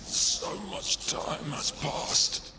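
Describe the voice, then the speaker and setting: An actor playing a weary, despairing old soldier in a video game, speaking in a strained, halting, solemn way over watery background noise. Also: male voice. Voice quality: gravelly, strained. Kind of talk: video game cutscene acting.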